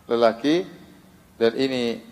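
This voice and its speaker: A man's voice: medium pitch, slow pace, a little mellow. A man giving a religious study lecture, asking rhetorical questions and answering them himself, reciting Arabic verses between plain explanations. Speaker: Islamic teacher. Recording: long reverb of a hall.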